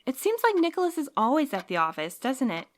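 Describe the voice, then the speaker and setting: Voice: sits high, huge pitch swings, fast talker. An actor voicing a cautious, rule-minded courier in an audio drama who worries and protests. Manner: anxious, protesting, a bit prim. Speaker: night courier Milo.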